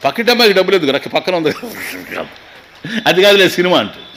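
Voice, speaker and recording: A man's voice: high voice, huge pitch swings, fast, fairly bright tone, slight background noise. A man, a swami, giving a spiritual discourse to listeners, asking rhetorical questions and mixing in English phrases. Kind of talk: Vedanta discourse in Telugu.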